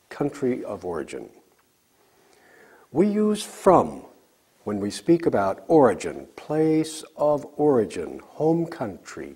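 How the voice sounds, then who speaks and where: Guy teaching english on a lesson cd, slow and careful, husky mellow voice. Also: medium pitch. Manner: slow, clear drilling of example sentences. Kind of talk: recorded language lesson.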